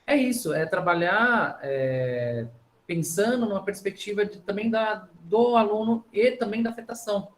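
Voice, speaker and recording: A man's voice: sits high, normal speed. A man leading a training session for art teachers, explaining ideas with rhetorical questions.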